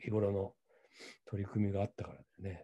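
Somewhat breathy and dark, with a mellow tone, a man's voice moves at a fairly quick pace. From Japan. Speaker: football coach; football coach in a dialogue. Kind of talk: casual chat. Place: home room. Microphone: video call.

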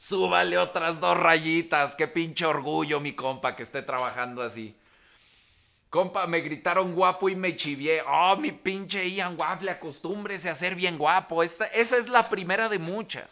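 A man's high-pitched voice, bright and sharp in tone, animated, at a fairly slow pace. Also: ordinary pitch variation. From Mexico. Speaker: relationship advice youtuber. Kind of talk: livestream chat reading viewer messages. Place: home room.

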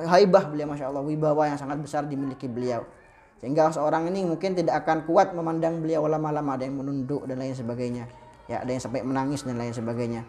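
A man's very fast, fairly high-pitched speech over noticeable background noise. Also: ordinary pitch variation. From Madura, Indonesia (Bangkalan). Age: 20s. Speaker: Islamic cleric. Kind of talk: interview.

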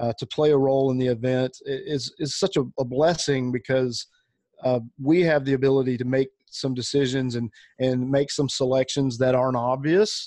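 Speaking with an Alabama accent, a man uses a medium pitch, a dark, mellow tone, fairly even intonation and a moderate pace, in a dry sound with no echo over a quiet background. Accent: Alabama, Southern US. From Alabama, US. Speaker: podcast host and conference co-founder; podcast host. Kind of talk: interview answer. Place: home room. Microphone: studio mic.

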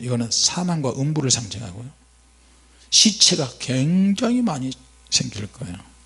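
A man with an animated tone and very wide pitch swings at a moderate pace. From South Korea. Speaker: pastor. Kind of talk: sermon. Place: church. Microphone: handheld.

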